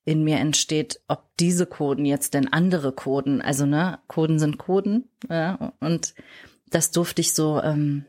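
A woman who grew up in Germany, a podcast interview guest, telling her own story in a reflective way and often pausing to search for words. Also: deep voice, steady tone, a little mellow.

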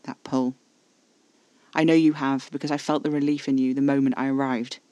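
A man's voice: mid-range voice, little pitch movement, normal speed, warm tone, dry recording, natural voice. A man voicing a frustrated, possessive male vampire in a storybook, with formal, exasperated speech. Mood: intense, possessive. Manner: haughty, exasperated, formal wording.

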